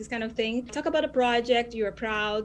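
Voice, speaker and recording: Fairly quick speech with a Brazilian Portuguese accent. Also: woman. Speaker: IT recruiter. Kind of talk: interview. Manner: halting.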